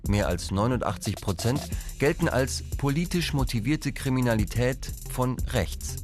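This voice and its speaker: Serious male documentary narrator. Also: mid-range voice. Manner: measured, serious.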